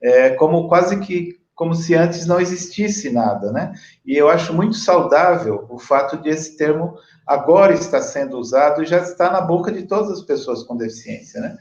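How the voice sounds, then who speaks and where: A man with a Brazilian accent hosting a conversational interview in a deliberate, hesitant, rambling way. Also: fairly high pitch, expressive, darkish tone. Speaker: interview host. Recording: echoey room, dull lo-fi audio.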